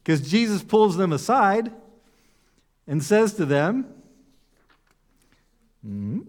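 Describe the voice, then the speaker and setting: A man's voice: high voice, expressive, slow, darkish tone, in a large hall. A man preaching a conversational sermon, putting rhetorical questions to his listeners. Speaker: pastor.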